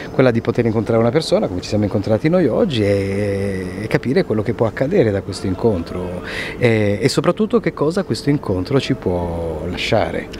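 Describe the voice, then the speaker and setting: A man talks at a fairly quick pace with a fairly low pitch and lively intonation. The sound is dry with no echo, and background noise is noticeable. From Emilia-Romagna, Italy. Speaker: stage actor. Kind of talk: interview. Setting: theatre before a show. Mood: calm, reflective. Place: street. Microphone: handheld.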